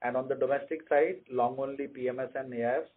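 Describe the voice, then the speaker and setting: Guy exec explaining stuff to analysts on a conference call, methodical, thin phone sound, mid pitch. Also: steady tone, fast, phone-quality sound. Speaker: company executive answering analysts' questions. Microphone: conference call line.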